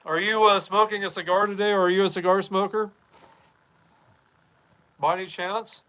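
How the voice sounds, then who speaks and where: A man's voice: high voice, fairly even intonation, normal speed, bright, forceful tone, clear, resonant tone, poor audio. A man in his fifties from Wyoming, hosting a casual live podcast, rambling and chatting as he reads viewer comments. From Wyoming, USA. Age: 50s. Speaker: podcast host. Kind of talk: casual live-stream chat.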